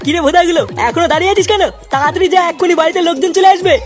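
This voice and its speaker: A high, fast-talking cartoon father played by a man, short-tempered and foul-mouthed. He bosses and scolds like a comic tyrant, with clear music playing behind him. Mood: angry. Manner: scolding, swearing constantly. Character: bad-tempered, foul-mouthed father bossing everyone before a party.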